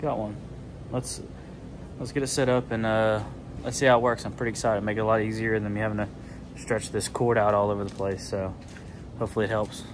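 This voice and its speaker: Easygoing shop guy, lower voice, chatty and unpolished, explaining his build. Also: fairly quick, noisy background. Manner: relaxed, rambling, with many fillers. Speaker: fabricator and channel host. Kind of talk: casual shop vlog. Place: garage workshop.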